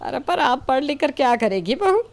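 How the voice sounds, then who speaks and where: A woman's voice: high voice, big pitch swings, moderate pace. Scolding nosy neighbour woman acted by a woman. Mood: disapproving.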